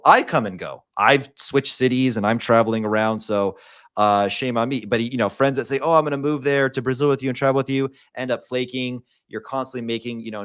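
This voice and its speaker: A man's voice: on the low side, a bit bright, no echo, clean studio sound. A man hosting a casual livestream, talking in blunt, slangy bro speak with some swearing. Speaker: host of a livestream show.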